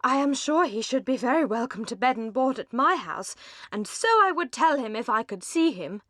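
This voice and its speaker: A woman's voice: a little high, lively intonation, moderate pace, a bit bright, no echo, studio quality, voice pushed up. A woman voicing a kindly, outspoken older English matron in an audiobook, with a hearty manner. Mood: concerned, kindly. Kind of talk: audiobook character dialogue.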